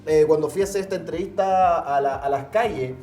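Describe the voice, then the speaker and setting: A young Chilean man hosts in quick, colloquial speech, chatting emphatically and throwing out rhetorical questions and quotes. The room sounds echoey, with faint music underneath. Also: fairly high pitch, warm tone. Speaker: interview host. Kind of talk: casual, colloquial political chat.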